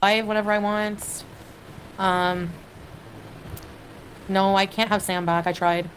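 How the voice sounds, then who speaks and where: A woman's voice: medium pitch, fairly even intonation, takes it slowly, a little hiss or hum, low-quality recording. A woman from Canada chatting on a livestream, hesitant and rambling, with lots of fillers as she reads viewers' comments. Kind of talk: casual livestream chat.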